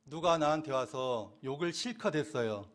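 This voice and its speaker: A man's voice: a little high, animated, moderate pace. A middle-aged man giving a sermon as a minister. He keeps putting questions to the listeners, then answers them himself with a laugh now and then. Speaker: Won Buddhist minister.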